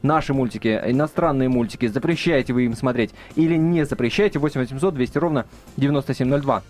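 A man's voice: medium pitch, quick pace, a little mellow. A man hosting a radio talk show, taking calls and questioning his studio guests, with frequent hesitations and fillers.

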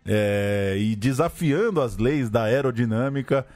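Male Brazilian podcast host, medium pitch, irreverent emphatic football banter over faint music. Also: a little slow, a little mellow. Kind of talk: casual football chat.

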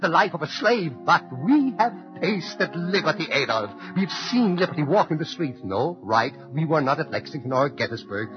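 A man's voice: medium pitch, a little fast, few pauses, natural voice. An actor playing an immigrant American man who writes defiantly to a dictator, in the declamatory style of 1940s radio drama. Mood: resolute. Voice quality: declamatory, building to fervent cries. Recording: muffled 1940s radio broadcast with music.

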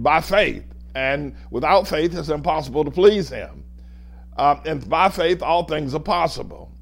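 A male pastor preaching a sermon, emphatic and building his points in repeated lists of phrases. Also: fairly high pitch.

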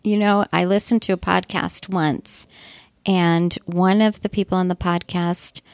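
A woman co-hosting a podcast, talking in a relaxed, matter-of-fact way. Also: fairly low pitch, a little slow, gravelly, clear, resonant tone, no room sound. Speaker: podcast co-host. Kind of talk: casual podcast chat.

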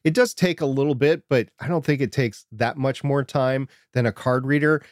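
A man with a quiet voice co-hosting a podcast from his home studio, talking through gear in a measured way. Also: medium pitch, no room sound. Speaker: podcast co-host. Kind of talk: casual tech chat.

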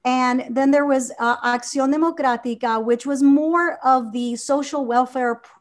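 Earnest woman in her 50s, kinda high voice, lots of ums and restarts. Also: fairly even intonation, unhurried. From Venezuela. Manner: earnest, with frequent fillers and restarts. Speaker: guest. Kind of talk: conversational interview.

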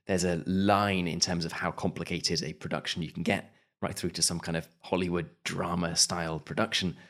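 A British man with a notably deep voice speaks in a relaxed interview. He answers thoughtfully, pausing and restarting his sentences as he works out what he means. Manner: thoughtful, frequent restarts and small laughs. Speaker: podcast host and audio drama producer. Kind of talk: casual interview talk.

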